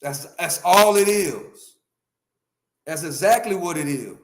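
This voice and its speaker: A man's voice: on the high side, expressive, takes it slowly, roomy sound, a little hiss or hum. Emphatic fifty-something man ranting to chat. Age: 50s. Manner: emphatic, repetitive, talks to chat. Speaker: livestream host. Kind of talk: opinionated livestream rant.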